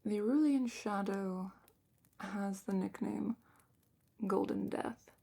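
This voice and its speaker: A woman playing a calm, thoughtful dragon curator in a whispered ASMR fantasy roleplay, speaking softly and breathily with measured, musing pauses. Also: mid-range voice, gravelly. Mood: thoughtful, cautioning.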